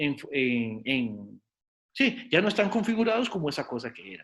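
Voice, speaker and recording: Very wide pitch swings run through a man's speech at a moderate pace. The recording is very clean, with a silent background. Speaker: philosophy lecturer. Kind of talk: lecture. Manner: halting, many repeated words and fillers.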